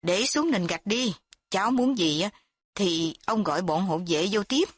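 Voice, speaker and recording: A woman's voice: medium pitch, lively intonation, measured pace, no echo, clean studio sound. A woman doing a fretful old grandfather. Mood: pleading. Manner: pleading, worried.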